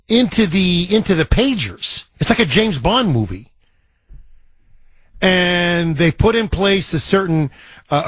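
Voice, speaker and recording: Congested radio host, animated. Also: male voice, fairly high pitch, no echo. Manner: animated, quick storytelling with sound effects. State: congested, scratchy throat. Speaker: radio talk show host. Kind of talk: talk radio monologue and caller chat. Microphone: studio microphone.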